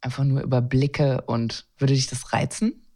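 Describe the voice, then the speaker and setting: A woman's voice: a bass voice, flat delivery, moderate pace, mellow. A woman co-hosting a podcast in casual chat, teasing and bursting into laughter. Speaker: podcast co-host.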